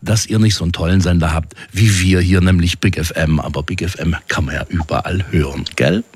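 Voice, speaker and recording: A man's voice: deep voice, fairly even intonation, brisk, husky. A man hosting a radio call-in show from the studio, chatty and upbeat, often tagging questions with a friendly "gell?". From Swabia, Germany. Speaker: radio host. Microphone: studio microphone.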